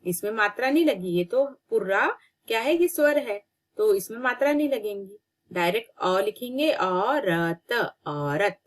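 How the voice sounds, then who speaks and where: A woman teacher giving a children's reading lesson, sounding out syllables slowly and repeating each word patiently. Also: medium pitch. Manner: slow, drawn-out syllables, patient repetition.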